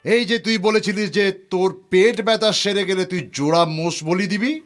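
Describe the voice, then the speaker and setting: A man voicing a bossy male servant of the gods in an animated comedy, commanding and declamatory as he delivers messages. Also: high voice, a little fast, natural voice. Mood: stern. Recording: loud background music.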